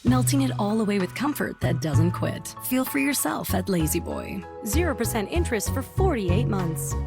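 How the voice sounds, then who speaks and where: Woman with a gravelly edge reading an ad. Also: medium pitch, sing-song, normal speed, music in the background. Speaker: commercial voice-over. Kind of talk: scripted ad read.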